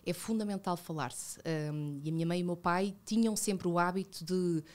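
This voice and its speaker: A woman in her thirties with a European Portuguese accent, talking reflectively as a podcast guest, with many fillers and self-corrections, close on a studio boom mic. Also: fairly even intonation, normal speed, a little mellow. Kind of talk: casual conversational interview. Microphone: studio boom mic with headphones.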